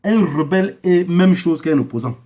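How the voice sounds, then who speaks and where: Male online commentator, notably high voice, emphatic and repetitive, haranguing his audience in informal monologue. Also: animated, moderate pace, dark tone. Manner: emphatic, haranguing, repeats phrases for effect.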